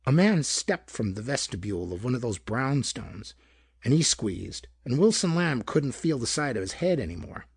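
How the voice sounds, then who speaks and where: Gravelly man reading hardboiled pulp fiction. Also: medium pitch, no room sound, clean studio sound. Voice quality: gravelly, husky. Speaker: audiobook narrator. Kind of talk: scripted narration of hardboiled pulp detective fiction.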